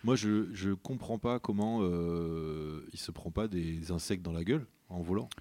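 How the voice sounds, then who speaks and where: Joking male host with a low voice. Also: warm tone, no echo. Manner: teasing, quick backchannels and jokes. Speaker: podcast host. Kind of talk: casual interview chat.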